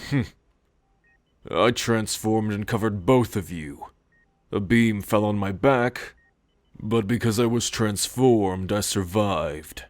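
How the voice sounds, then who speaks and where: Man as a slow, low-voiced werewolf alpha. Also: dry recording. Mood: gentle, reassuring. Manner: deliberate, calmly authoritative. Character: proud, stoic male werewolf pack alpha, newly injured. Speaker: voice actor. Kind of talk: audio roleplay drama, spoken to the listener.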